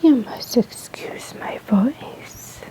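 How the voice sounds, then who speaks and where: A woman's voice: extremely slow, mellow, low-quality recording. A woman whispering the part of a cunning male wolf pretending to be a sick grandmother, sly and coaxing. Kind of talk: ASMR storybook reading.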